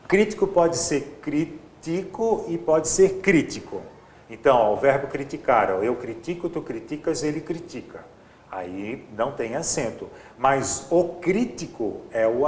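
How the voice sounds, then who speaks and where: A man teaches an exam-prep grammar class, walking through each answer step by step. His pitch swings widely as he stresses each point. He sounds like he is in a roomy, echoing space with a faint hum of ambience behind him. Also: darkish tone. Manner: explains step by step, often adds "ó" and "tá?".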